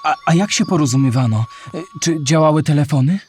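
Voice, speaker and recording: A man's voice: fairly high pitch, lively intonation, quick pace, a little mellow, soft background music, natural voice. A man playing a curious, earnest young boy who asks questions in a children's educational audio drama. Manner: inquisitive, earnest.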